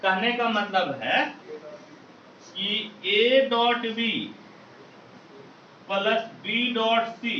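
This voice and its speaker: A man leads a maths class in a very high, sharp voice, firing questions and asking the students to shout the answers back. He calls them babu and beta as he goes. The sound is dull and distant, with the echo of a roomy classroom around it. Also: a little hiss or hum. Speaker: maths teacher. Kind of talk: classroom lecture with call-and-response.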